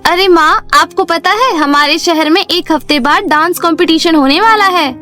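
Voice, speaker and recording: A spoiled, boastful young stepsister for an animated bedtime story. Her voice sits very high and comes out shrill and bratty. Soft music plays faintly underneath. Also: a little slow. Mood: excited.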